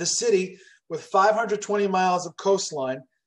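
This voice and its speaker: This man's voice sits high in pitch. The background is quiet. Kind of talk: formal opening statement. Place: office. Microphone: video call.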